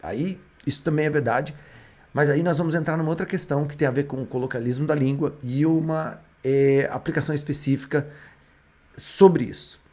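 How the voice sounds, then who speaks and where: A man's voice: on the high side, a little fast, a little mellow. A Brazilian man, a native Portuguese speaker, explaining English grammar step by step as a teacher. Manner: explains step by step, with frequent restarts.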